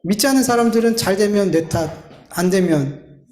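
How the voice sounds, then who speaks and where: Preaching in a church sanctuary, a man with a high-pitched, darkish voice speaks at a moderate pace. His sermon is earnest and pleading, often aimed straight at the congregation, and the hall gives the recording an echo.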